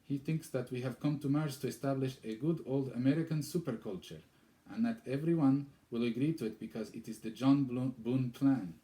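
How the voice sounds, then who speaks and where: A man playing a bitter, heated Arab man with an Arabic accent, voice pitched high and pushed loud. The reading is recorded in an echoey room. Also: normal speed, natural voice.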